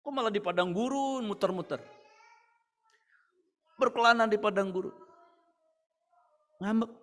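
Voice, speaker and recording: A male pastor with an Indonesian accent preaching in a lively sermon style, his voice high and bright. He fires off rhetorical questions, swinging from loud to hushed. His voice rings out with the long reverb of a church hall. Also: measured pace.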